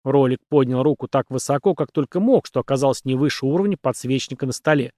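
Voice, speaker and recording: A man narrating an audiobook with expressive storytelling. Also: mid-range voice, quick pace, no room sound, clean studio sound. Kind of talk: scripted narration.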